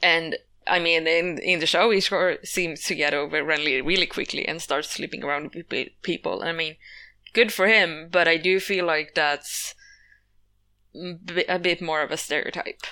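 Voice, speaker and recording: Bright and sharp in tone, the voice moves at a moderate pace with fairly even intonation on a very clean recording with a silent background. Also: woman, fairly low pitch for a woman. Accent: Swedish. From Sweden. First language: Swedish. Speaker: blogger and fan commentator. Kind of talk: casual podcast discussion.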